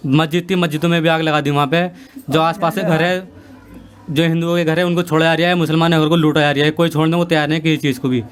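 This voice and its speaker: Fast-talking man, flat and agitated. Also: on the high side. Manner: rapid, agitated account. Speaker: riot victim interviewee.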